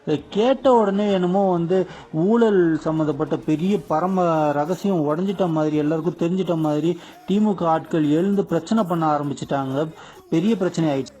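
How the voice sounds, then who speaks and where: A man's voice: fairly high pitch, normal speed, warm tone, low-quality recording. A man with a Tamil accent giving indignant, mocking news commentary in casual speech.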